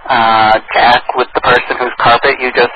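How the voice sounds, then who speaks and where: A man hosting a radio show who makes deadpan, teasing prank phone calls. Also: mid-range voice, moderate pace. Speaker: radio host and prank caller. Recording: dull lo-fi radio recording, faint noise.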